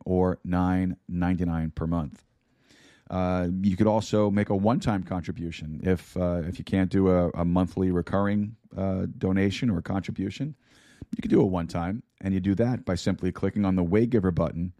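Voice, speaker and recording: A man hosting a sermon podcast, hoarse and raspy from losing his voice, talking to listeners in a folksy way with many fillers. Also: sits low, warm tone, no room sound. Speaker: podcast host and Bible teacher. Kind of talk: casual sermon-podcast talk.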